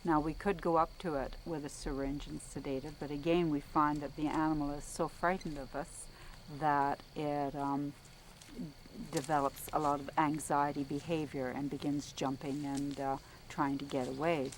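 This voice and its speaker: A woman's voice: deep voice, level tone, moderate pace, slight background noise, poor audio. A woman researcher explaining her fieldwork carefully, step by step, in a documentary interview. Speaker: wildlife researcher.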